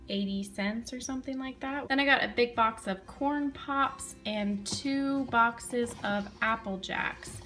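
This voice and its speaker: A young woman talks through her shopping in a chatty, upbeat way, recorded on a handheld camera in a home kitchen. Her pitch sits in an ordinary middle range. Soft music plays faintly underneath. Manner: chatty, upbeat, lists items with prices. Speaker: vlogger showing a grocery haul. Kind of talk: casual chat.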